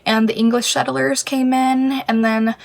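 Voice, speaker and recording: Young American woman, fairly high voice, earnest and emphatic casual podcast co-host. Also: level tone, measured pace, gravelly, darkish tone. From United States. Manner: earnest, emphatic, says like a lot. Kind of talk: casual chat.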